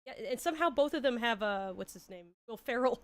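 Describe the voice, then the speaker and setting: A woman's voice: a little high, lively intonation, clean tone, no echo. A woman co-hosting a livestream, chatting eagerly and laughing often. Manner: enthusiastic, quick to laugh. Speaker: co-host. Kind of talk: casual livestream chat.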